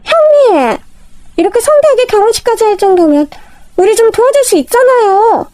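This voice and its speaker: A woman voicing pushy, whiny middle-aged sisters-in-law in a spoken story, with a shrill, wheedling tone. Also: lively intonation, normal speed, warm tone, dry recording. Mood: whiny pleading.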